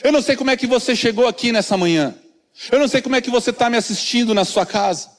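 A man preaching with a high, bright voice that carries through a church with a long, lingering echo. His delivery is earnest, and he sometimes sinks into quiet low tones to drive a point home. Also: fast talker. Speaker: pastor. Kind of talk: sermon. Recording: long hall reverb from a church.

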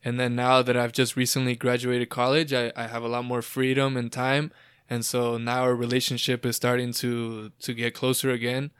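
A man's voice: mid-range voice, monotone, normal speed, a bit bright, clear, resonant tone, no echo, clean studio sound. Upbeat chatty young man hosting. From Southern California. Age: 20s. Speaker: podcast host. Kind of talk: casual podcast conversation.

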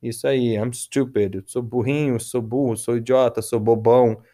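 Slangy Brazilian man teaching English. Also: medium pitch. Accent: Brazilian Portuguese. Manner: relaxed and slangy, slows down to model English words for repeating. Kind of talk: casual podcast lesson.

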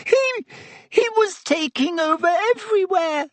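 Really high squeaky whiny coward for an audiobook, drags words out, begging and gasping, cringing middle aged traitor. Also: male voice, lively intonation, unhurried, fairly bright tone, no echo, full character voice. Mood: terrified whining. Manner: pleading, gasping, whimpering.

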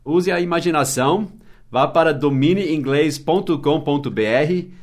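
A man's voice: on the high side, moderate pace. A man raised in Brazil with English as his first language, hosting a casual mini-podcast lesson. He explains patiently and drops short English example phrases into his explanations. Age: adult, past his teens. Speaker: English teacher, podcast host.

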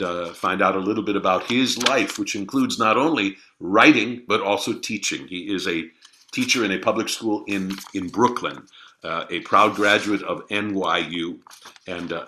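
Bright-toned male radio host. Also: low voice, slight background noise. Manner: measured, formal, many "uh" pauses. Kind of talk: radio interview. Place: radio studio.

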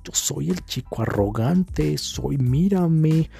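A man putting on the voice of an arrogant, showy young bad boy, boasting loudly and dragging out his words. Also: fairly high pitch, expressive, creaky, faint music behind, pitched above the performer's own voice, exaggerated voice. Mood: cocky. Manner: loud, drawn-out boasting.

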